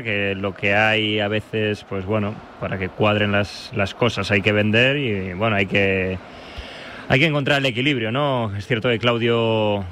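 A man's voice: on the low side, bright, forceful tone, slight background noise. A man giving spontaneous football analysis on the radio, feeling his way through his opinions. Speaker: football pundit.

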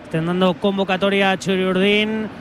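A man's voice: high voice, level tone, normal speed. A man with an accent from Spain doing live radio football commentary, chatty and joking with his colleagues. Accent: Spanish from Spain. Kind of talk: live match commentary with casual banter. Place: press area at a football stadium. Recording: loud stadium and street noise behind.

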